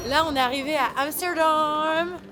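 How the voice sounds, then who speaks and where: A woman's voice: high voice, steady tone, moderate pace. A woman hosting a casual travel vlog, bubbly and joking as she chats. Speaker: vlogger host. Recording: background music and crowd noise.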